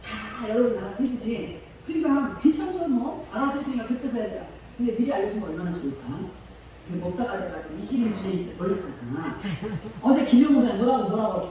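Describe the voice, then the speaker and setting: A woman pastor giving a chatty sermon, with laughing asides and slow scripture reading. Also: medium pitch, lively intonation, dark tone, a little hiss or hum. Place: church sanctuary. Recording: echoey hall from far off.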